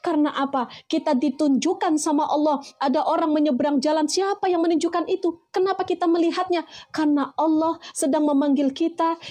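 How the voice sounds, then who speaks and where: High, mellow-toned woman preacher giving a motivational talk to her listeners. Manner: addresses listeners as friends, asks rhetorical questions.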